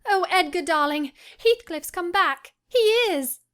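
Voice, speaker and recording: A passionate, impulsive young lady who speaks high and breathless, as a woman narrating puts her on. Her words tumble out eager and pleading, a voice pitched well above the narrator's own. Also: lively intonation, moderate pace, a bit bright. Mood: overjoyed. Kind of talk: audiobook character voice.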